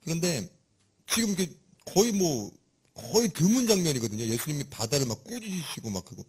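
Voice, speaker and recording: A man preaching a sermon in a lively, conversational and humorous way, with a husky voice. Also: a little high, brisk.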